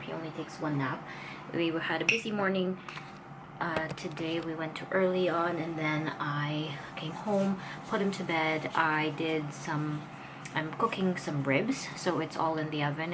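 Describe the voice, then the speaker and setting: Casual vlogger, woman, thirties, light Filipino accent, lowish voice, rambling, noisy ambience. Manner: rambling, chatty, loses her train of thought. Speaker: vlogger and artist. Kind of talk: casual vlog chat. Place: home studio and walking outdoors.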